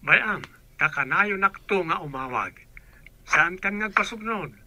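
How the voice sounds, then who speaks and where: Dennis, a bright-voiced young worker. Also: male voice, high voice, expressive, a little slow, a little hiss or hum, full character voice. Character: young man working away from home. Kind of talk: radio drama acting.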